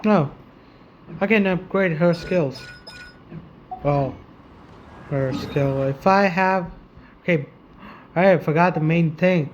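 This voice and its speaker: A gaming YouTuber giving casual, halting gameplay commentary, often muttering to themselves. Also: medium pitch, muffled recording, a little hiss or hum. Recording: faint game music behind.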